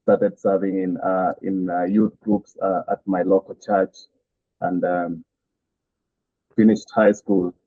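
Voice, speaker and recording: A man's voice: sits low, flat delivery, no echo. Kenyan man with a tinny call sound. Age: middle-aged. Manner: halting, many "uh" fillers, chuckles between thoughts. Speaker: pastor. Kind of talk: interview guest telling his story. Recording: tinny phone-like call audio, dry.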